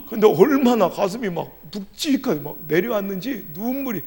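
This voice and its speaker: Male pastor, high gravelly voice, emotional sermon storytelling, in a reverberant church hall. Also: expressive, normal speed. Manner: emotional storytelling, swinging from soft to loud. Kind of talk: revival sermon. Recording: echoey hall with long reverb.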